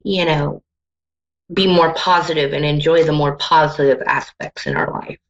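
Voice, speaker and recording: A woman's voice: low voice, fairly even intonation, moderate pace, dull audio. A woman giving soothing advice as a psychic on a hotline-style radio show, addressing the caller with endearments.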